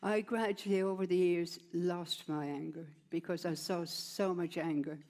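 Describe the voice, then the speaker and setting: A woman's voice: lowish voice, steady tone, moderate pace, darkish tone. Older woman telling her story. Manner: plain, rambling, frequent "you know". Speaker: interview guest. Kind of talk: onstage conversation, personal story. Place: stage at a large gala, indoors. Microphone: headset mic.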